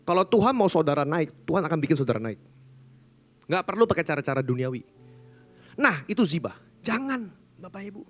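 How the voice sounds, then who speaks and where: A man's voice: fairly high pitch, big pitch swings, a little fast, pauses often, soft background music. A man pastor preaching a sermon in a casual, conversational storytelling manner. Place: church service.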